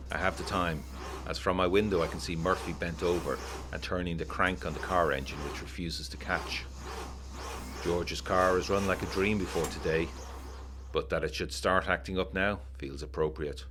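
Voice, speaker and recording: Casting: male actor for uneasy, literary war veteran narrating gothic audiodrama letters, extremely deep register, grave measured delivery, music underneath. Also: natural voice. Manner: measured, literary, brooding storytelling. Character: haunted, uneasy war-veteran man writing letters in 1925.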